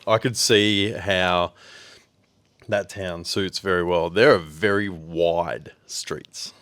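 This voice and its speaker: A man's voice: low voice, steady tone, takes it slowly, a bit bright, no echo. A laid-back Australian man from Western Australia, co-hosting a podcast in casual chat and rambling with fillers. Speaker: podcast co-host.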